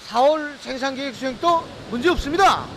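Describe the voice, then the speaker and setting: A man's voice: extremely high pitch, animated, brisk, fairly bright tone, slight background noise. A man with a North Korean accent speaking assertively and rousingly in a workplace interview. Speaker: steelworks interviewee.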